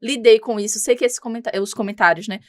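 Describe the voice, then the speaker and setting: A woman's voice: a little high, steady tone, fast, dry recording, studio quality. A young woman with a regional Brazilian accent, a reporter talking as a podcast guest, emphatic and indignant. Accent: Brazilian Portuguese, regional. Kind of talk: casual interview talk.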